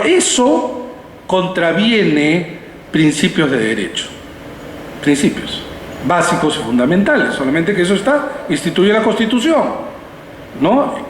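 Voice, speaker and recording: A man with a Peruvian Spanish accent giving a public lecture, explaining in a didactic way with rhetorical questions and checking in with his listeners. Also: on the high side. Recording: echoey reverberant hall, background noise.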